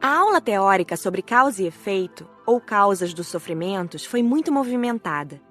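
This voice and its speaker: Casting: female Brazilian audiobook narrator, mid-range, measured and clearly articulated, soft music behind. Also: medium pitch, lively intonation. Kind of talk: scripted first-person narration. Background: music bed.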